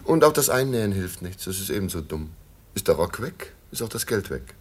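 A man's voice: sits low, big pitch swings, a little fast, a little mellow. An actor playing a jovial, worldly traveling businessman in a German radio play, opinionated and fond of anecdotes and maxims. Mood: jovial, emphatic.

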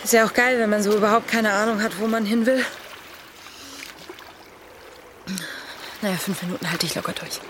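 A woman's voice: medium pitch, racing, noisy background, lightly acted. An actress playing a frank, wry woman in her thirties in a naturalistic radio play, talking in a slangy, offhand way. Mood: relieved, exhilarated. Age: 30s. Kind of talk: naturalistic conversational radio drama. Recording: loud splashing water behind the voice. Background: sea water splashing and trickling.

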